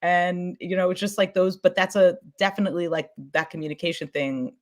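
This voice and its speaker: Woman chatting informally, rambling and expressive. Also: on the low side, a little fast. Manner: animated storytelling with mimicked sound effects and acted-out quotes. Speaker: scripted podcast producer on a panel. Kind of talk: casual panel talk on audio production.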